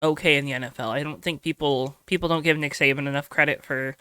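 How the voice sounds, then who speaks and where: Bright, high-voiced young man hosting. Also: steady tone, quick pace, smooth, no room sound. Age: young adult. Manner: chatty, rambling with fillers. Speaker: podcast host. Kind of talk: casual podcast chat.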